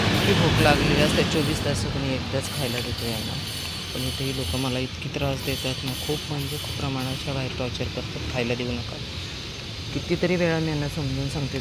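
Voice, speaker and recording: A woman walking her dog and feeding street dogs at night, coaxing and scolding the dog and raising her voice to call it. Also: a bass voice. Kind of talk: casual vlog narration while walking a dog. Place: apartment building and street at night. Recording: street noise behind.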